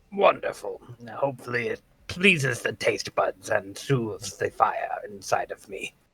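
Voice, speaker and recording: Someone uses a raspy, put-on character voice at a moderate pace. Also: man. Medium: actual play. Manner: formal, measured, slightly hesitant.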